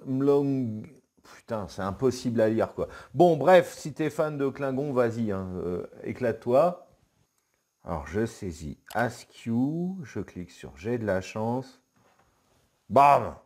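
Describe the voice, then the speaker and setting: A man's voice: on the low side, a little mellow. A young man hosting a web marketing video, joking and swearing casually through a screen demo.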